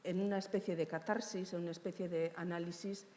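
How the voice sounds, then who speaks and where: A woman poet speaking on a panel, measured and hesitant, with many pauses and fillers. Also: on the low side, little pitch movement, mellow. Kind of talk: panel discussion. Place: large hall with long reverb. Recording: reverberant hall.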